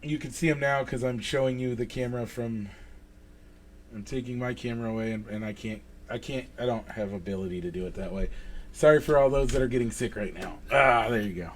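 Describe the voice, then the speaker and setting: A man hosting a casual sports podcast, upbeat and energetic, his voice a little raspy from allergies. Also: mid-range voice, a little fast, slight background noise. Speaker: podcast host.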